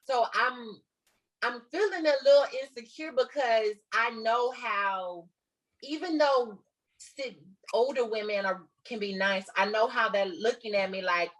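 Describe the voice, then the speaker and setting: Southern Black accented woman, slightly higher voice. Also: unhurried, low-quality recording. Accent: Southern African American English. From Texas, US South. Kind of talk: casual conversational storytelling.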